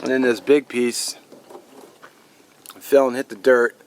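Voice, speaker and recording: A man's voice: medium pitch, flat delivery, takes it slowly, poor audio. A man hosting a challenge video, chatting casually to viewers. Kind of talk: casual vlog chat. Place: outdoors.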